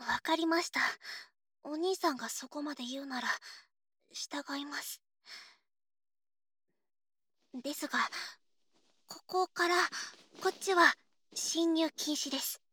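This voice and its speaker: A woman's voice: sits high, a little slow, long pauses, pushed and bright, no room sound, clean studio sound. A woman voicing a prim, stubborn and easily flustered young woman in an intimate audio drama, speaking politely and formally with hesitant scolding. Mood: insistent, reserved. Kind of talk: Japanese audio drama, intimate role-play to listener.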